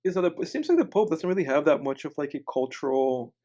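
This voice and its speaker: A man's voice: on the high side, expressive, fast, dark tone. Hedging man. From Dominican Republic. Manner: rambling, hedging, many fillers. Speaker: podcast co-host. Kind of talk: casual chat.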